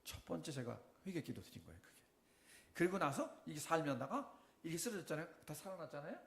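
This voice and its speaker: A middle-aged man giving a sermon testimony, telling his story with lively questions to the congregation. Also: a little high, fast, gravelly. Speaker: preacher. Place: church. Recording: echoey church room.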